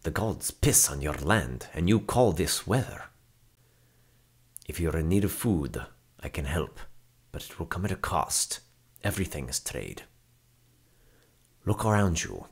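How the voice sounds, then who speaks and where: A man's voice: deep voice, very animated, unhurried, pauses often, breathy edge, exaggerated voice. A man in his thirties voicing a weathered, stoic forest ranger, grave and terse, in a character demo. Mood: grave, wry.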